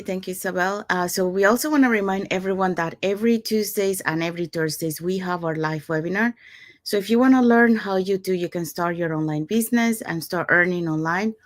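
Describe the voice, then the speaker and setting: A woman's voice: fairly low pitch, dry recording. Upbeat woman host from Panama, dry sound. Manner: upbeat, promotional, with frequent fillers. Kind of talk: scripted webinar promo chat.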